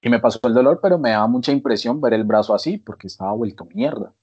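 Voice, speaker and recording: Young Colombian guy, chatty storyteller, mid-pitched, slightly dull audio. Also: fast, breathy edge. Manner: storytelling with lively quoted voices. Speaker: podcast co-host. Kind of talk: casual chat.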